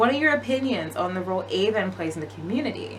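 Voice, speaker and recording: With noticeable background noise and audible room echo, a woman speaks fairly quickly, her pitch swinging very widely. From southern England, Berkshire. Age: 20s. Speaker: YouTuber and asexuality activist. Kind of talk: Q&A video monologue. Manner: casual, filler-heavy.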